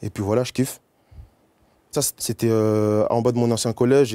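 Against a quiet background, a man with a dark, mellow tone speaks at a fairly quick pace with fairly even intonation. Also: dry sound with no echo. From Paris suburbs, France; France. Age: 20s. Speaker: photographer. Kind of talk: personal presentation of his work. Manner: casual, hesitant with fillers. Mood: calm, earnest. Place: studio.

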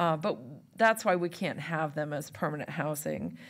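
At a moderate pace, a woman speaks with vocal fry in a very deep, low pitch. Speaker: county commissioner. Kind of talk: public meeting discussion. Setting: council chamber. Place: hall. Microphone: podium.

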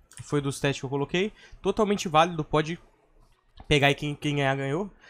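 At a fairly quick pace, a man talks in a fairly high pitch with ordinary pitch variation, the sound dry and close with no echo. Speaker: gaming YouTuber. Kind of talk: casual gaming video talk. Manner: animated.

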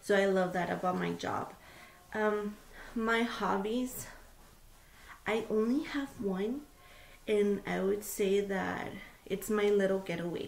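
A woman with an American accent speaks at a very slow pace with long, frequent pauses. Her intonation is fairly even, and audible room echo is present. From El Paso, Texas. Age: 20s. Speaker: community college student. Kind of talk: class introduction speech. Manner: hesitant, many fillers. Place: home room. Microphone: webcam.

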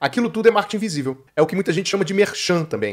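Against a quiet background, the voice has lively intonation and an animated tone. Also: man. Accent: Brazilian. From Brazil. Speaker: digital marketing YouTuber. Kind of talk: tutorial.

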